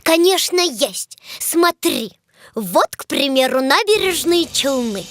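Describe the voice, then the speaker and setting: A female expert on heraldry for a children's educational cartoon. Her voice is high and very lively in melody, with a precise, didactic manner that treats facts as everything. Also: takes it slowly, a little hiss or hum, full character voice. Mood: brisk, didactic.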